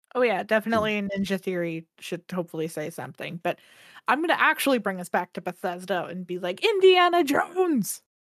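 Speaking very fast with lively intonation, a woman has an American accent. The sound is dry and close with no echo, in a very clean recording with a silent background. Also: medium pitch for a woman. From upper Midwest US. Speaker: gaming podcast host. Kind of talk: casual chat.

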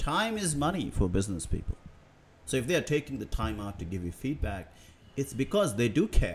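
A man speaks with an Indian accent and vocal fry. His pitch swings very widely. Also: medium pitch for a man, fairly quick pace. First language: regional Indian language. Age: 40s. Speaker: freelancer and small business owner, podcaster. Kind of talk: solo podcast monologue. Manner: hesitant, many fillers.

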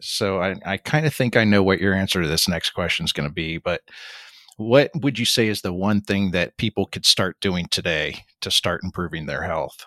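The sound is dry and close with no echo as a man speaks in a very deep, low pitch with a bright, sharp tone. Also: ordinary pitch variation, moderate pace. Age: 40s. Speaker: podcast host. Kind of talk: casual chat.

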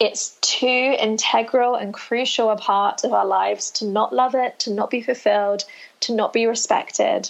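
A woman at a moderate pace, in a British RP accent. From southern England. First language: Portuguese. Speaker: marketing and brand consultant. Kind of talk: casual chat.

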